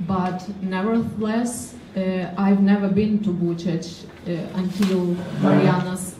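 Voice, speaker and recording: Very slow, monotone, flat speech from a woman at medium pitch, with audible room echo and noticeable background noise. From western Ukraine, Ivano-Frankivsk. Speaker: writer. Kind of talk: public talk at literary event. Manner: halting.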